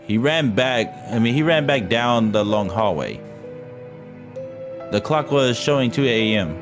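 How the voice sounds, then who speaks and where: With a medium-pitched, animated voice and a measured pace, a streamer performs a visual novel's ghost story dramatically, though he keeps tripping on the words and breaking off into crude, offhand comments. Game music sits loud in the background.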